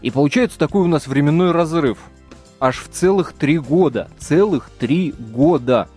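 A man's voice: a little high, animated, normal speed, mellow, breathy edge. A man hosting an evening radio show, interviewing a guest in a chatty, joking way with plenty of fillers. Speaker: radio host. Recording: radio studio with faint music behind.

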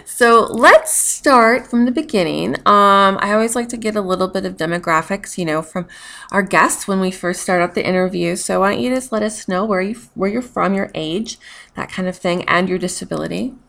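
A woman's voice: medium pitch, normal speed, gravelly, fairly bright tone. A woman hosting a podcast interview, talking in a chatty, upbeat, rambling way. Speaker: podcast host. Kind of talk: casual interview chat.

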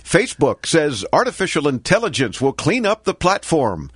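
A man's voice: on the high side, wildly swooping pitch, moderate pace, a bit bright, slightly rough, no echo, studio quality. An older man hosting a tech news radio show, nasal and stuffy from a cold, delivering sarcastic quips. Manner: sarcastic, quipping commentary. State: congested with a cold. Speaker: host.

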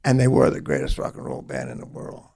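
Middle-aged songwriter, gravelly, animated storyteller acting out quotes. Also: male voice, very deep voice, fast. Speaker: songwriter guest. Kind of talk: storytelling interview.

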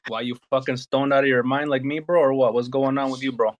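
A man's voice: mid-range voice, steady tone, quick pace, dull audio, close to an everyday voice. A man voicing a crude, teasing cholo homie character in live audio chat banter, with slangy, profane drawling.

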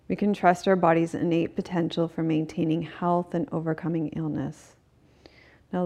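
A woman teaching a restorative yoga class, speaking and reading verse in a gentle, soothing, unhurried manner with pauses. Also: low voice.

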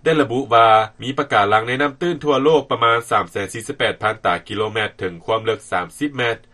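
A man's voice: medium pitch, fast, pushed and bright. A man with a Lao accent reading a scripted news report as a radio reporter.

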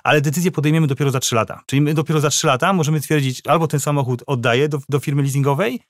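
A man's voice: fairly high pitch, steady tone, very fast, dry recording, studio quality. A man who represents a financing company in a discussion, agrees readily and explains the options. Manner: agreeable and explanatory, often confirms. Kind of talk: conversational discussion.

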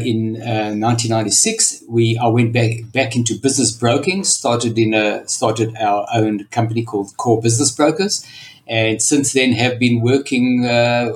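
A man in his sixties with a South African accent speaks as a guest in an interview. He explains business dealings steadily and often restarts mid-sentence. His pitch is ordinary for a man. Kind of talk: interview conversation.

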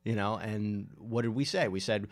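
A man's voice: fairly low pitch, moderate pace, no room sound. A man co-hosting a podcast, explaining legal news in a casual, joking conversational way. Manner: explains legal points conversationally, jokes along. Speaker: podcast co-host.

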